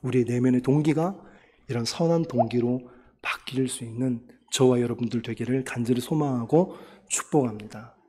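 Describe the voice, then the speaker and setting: A man's voice: mid-range voice, moderate pace, slightly rough. A male pastor giving an earnest sermon and leading his congregation in prayer. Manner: earnest preaching, rising to fervent shouted prayer. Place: church sanctuary. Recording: long church hall reverb.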